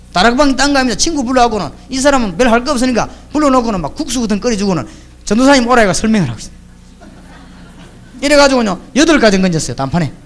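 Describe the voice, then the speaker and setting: A middle-aged man, preaching a sermon as a pastor and telling lively stories in which he acts out the people he quotes. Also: very high voice. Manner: lively storytelling, acting out the voices of the people he quotes.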